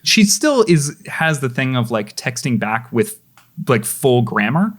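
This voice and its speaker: A man's voice: mid-range voice, big pitch swings, unhurried. A young man narrating as game master, casual, with restarts and lots of questions to the players. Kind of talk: narrating a tabletop role-play game.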